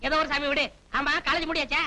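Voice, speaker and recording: An actor playing a muddled, forgetful young college student in a film comedy, bickering in a bewildered way. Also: male voice, very high-pitched, flat delivery, quick pace, sharp tone, exaggerated voice. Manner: bewildered, bickering comic delivery. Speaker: comic lead in a film.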